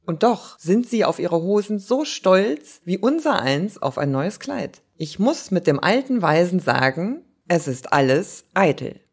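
A woman giving a lively, wry reading of old letters and diary entries. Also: lowish voice, a little slow, hardly any pauses, slightly rough. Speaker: reader.

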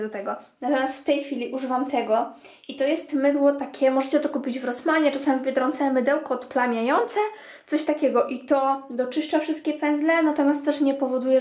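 Chatty and casual, a young beauty vlogger talks to viewers she calls "girls" while cleaning her home bathroom and washing makeup brushes. The narration, in her high voice, is for a clean-with-me vlog and sounds roomy.

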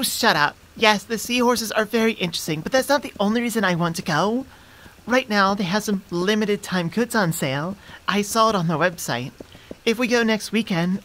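A woman's voice: medium pitch, a bit bright, natural voice. A woman voicing an affectionate, teasing, easily flustered young centaur girlfriend in an intimate ASMR roleplay, sweet and conversational, close on the mic. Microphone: close studio microphone.

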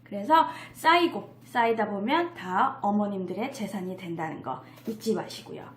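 A woman teaching parents simple English phrases from a picture book, playful and laughing, modeling each phrase slowly. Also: mid-range voice, echoey room, slight background noise.

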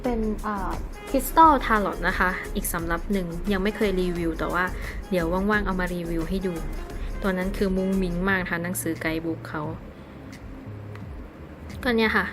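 A woman's voice: mid-range voice, moderate pace, over music. A woman hosting her own tarot channel, reviewing a card deck in a casual, chatty and polite way. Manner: chatty and polite, with soft polite endings and small laughs.

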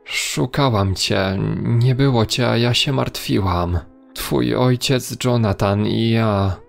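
A man's voice: mid-range voice, slow pace, vocal fry, faint music behind, pitched above the performer's own voice. A man voicing a creature that fakes a desperate, sobbing mother begging to be let in. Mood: pleading. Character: creature faking a pleading mother.

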